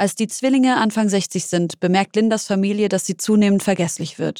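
In a very clean recording with a silent background and a dry, close sound with no echo, a woman of medium pitch speaks at a moderate pace in a dark, mellow tone with fairly even intonation. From Leipzig, Germany (Syrian roots). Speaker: journalist and co-host. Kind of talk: storytelling; casual chat.

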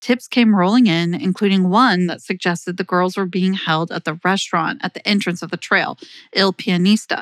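A woman with a plain, everyday voice speaks at a fairly quick pace with fairly even intonation. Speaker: true crime podcast host. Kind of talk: true-crime narration, scripted and read steadily. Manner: measured, serious, even-paced storytelling; somber and matter-of-fact.

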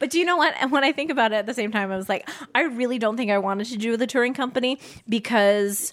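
A woman's high voice at a very fast pace, with ordinary pitch variation. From California. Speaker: comedian. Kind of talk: casual chat.

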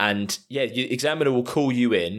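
A man in a London accent speaks at a moderate pace. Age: 30s. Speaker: taxi driver. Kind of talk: interview.

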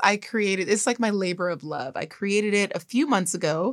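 A woman's normal speaking voice with an American accent, medium pitch, lively intonation and a moderate pace. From United States. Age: 30s. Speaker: travel blogger. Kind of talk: casual chat. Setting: studio.

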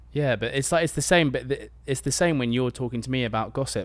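At a fairly quick pace, an unremarkable speaking voice carries ordinary pitch variation. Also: man. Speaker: podcast guest, host's boyfriend. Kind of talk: casual chat.

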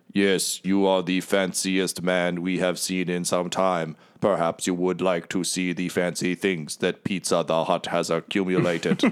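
A put-on character voice from a man, very deep and low, flat and monotone, at a moderate pace with hardly any pauses, in a very clean recording with a silent background. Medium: actual play. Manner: formal, stilted.

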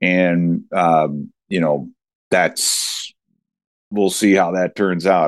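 A man's voice with an American accent, dry and close with no echo, against a quiet background. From Chicago, US Midwest. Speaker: NFL radio analyst, former player. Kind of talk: sports interview. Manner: halting, many fillers and restarts.

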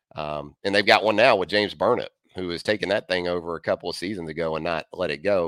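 A man with an ordinary speaking voice and ordinary pitch variation talks at a fairly quick pace on a very clean recording with a silent background and a dry, close sound with no echo. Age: 50s. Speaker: sports analyst. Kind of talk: solo sports analysis podcast.

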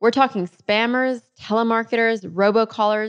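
A woman uses a normal speaking voice, pitched fairly high, at a moderate pace. The background is quiet. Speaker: podcast host. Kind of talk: sponsor ad read. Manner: upbeat.

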